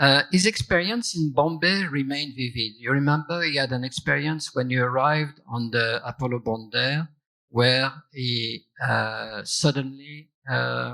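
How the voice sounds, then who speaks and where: With a bright, sharp tone, a man speaks fairly slowly at medium pitch and with ordinary pitch variation. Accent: French. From France. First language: French. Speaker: author's brother at book launch. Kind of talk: book discussion with reading aloud. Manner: halting, many fillers.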